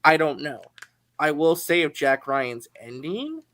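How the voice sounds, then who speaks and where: A man's voice: fairly high pitch, big pitch swings, unhurried, a bit bright, dry recording. A man hosting a live stream discussion who chats in a speculative, self-mocking way.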